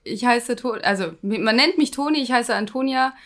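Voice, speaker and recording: A woman's voice: fairly high pitch, expressive, brisk, a bit bright. A woman in her twenties from Munich, a fitness influencer and podcast guest, speaking casually with lots of hesitation. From Munich, Germany. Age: 20s. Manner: hesitant, many fillers and restarts.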